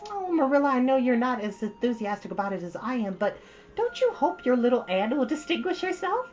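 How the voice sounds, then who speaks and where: A woman's voice: a little high, sing-song, brisk, a little mellow, lo-fi sound, soft background music, voice pushed up. A woman voicing an eager, dramatic young girl from a storybook, gushing breathlessly and theatrically. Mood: chattering, excited. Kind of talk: storybook character voice.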